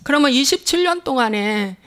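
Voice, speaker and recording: A woman's voice: sits high, lively intonation, a little fast, fairly bright tone. A woman pastor preaching a sermon in a plain, conversational way, with emphatic, repeated rhetorical questions.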